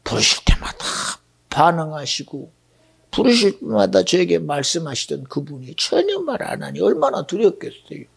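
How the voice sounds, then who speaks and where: A man preaching a Sunday sermon in a church, impassioned, dropping to hushed whispers and rising to loud exclamations. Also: a little high, huge pitch swings, moderate pace, creaky, slightly rough. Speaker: pastor. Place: church sanctuary.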